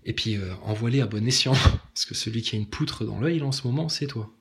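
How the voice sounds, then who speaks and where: Casting: mocking male commentator, combative rant, pitch jumping up and down. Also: fairly quick, vocal fry. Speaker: online commentator. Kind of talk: ranting monologue to commenters.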